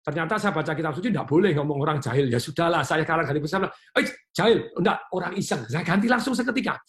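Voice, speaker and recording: A man leads an online motivational seminar with a high voice. He is energetic and playful and keeps turning to his audience with direct prompts and calls to repeat after him. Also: rapid-fire. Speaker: motivational speaker. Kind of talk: motivational webinar talk. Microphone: webinar mic.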